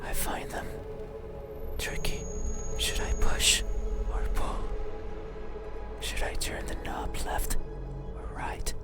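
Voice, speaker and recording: Man acting an eerie whispering demon over music. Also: close to an everyday voice. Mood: brooding, obsessive. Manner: slow, hushed, intimate, menacing musing. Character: eerie whispering male demon, obsessive and brooding. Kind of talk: ASMR horror game monologue. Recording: music playing under the voice.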